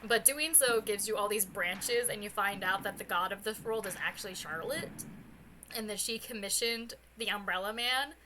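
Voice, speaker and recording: A woman hosting a game livestream, chatting casually in an animated, giggly and informal way. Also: mid-range voice, moderate pace, noisy background. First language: English. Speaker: livestream host. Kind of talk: casual game stream chat.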